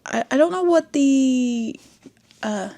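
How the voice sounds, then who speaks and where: A woman's voice: high-pitched, lively intonation, slow pace, dark tone. A congested woman hosting a casual book review channel, rambling and correcting herself and laughing often as she talks into a desk microphone. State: congested from a cold. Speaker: booktube host.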